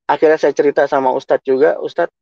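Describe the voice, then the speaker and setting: A man's voice: a little high, a little slow, a little mellow, no room sound, dull audio. Man telling a personal testimony. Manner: storytelling, acting out quoted dialogue. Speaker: testimony speaker.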